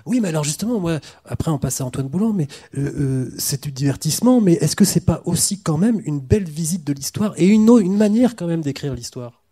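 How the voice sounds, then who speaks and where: Mellow-voiced male panel host. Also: a little high, expressive, husky. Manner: chatty, self-deprecating, quick asides. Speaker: host, moderator. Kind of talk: panel discussion.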